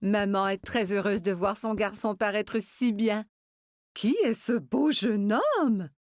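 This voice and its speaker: A woman's voice: medium pitch, slow, a little mellow, no echo, studio quality, close to an everyday voice. A woman narrating a children's cartoon as a kind storyteller, with simple, encouraging storybook phrasing. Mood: encouraging, affectionate. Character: kind storyteller voicing nanny and mother. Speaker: narrator who also voices the adult women. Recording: light music behind the voice.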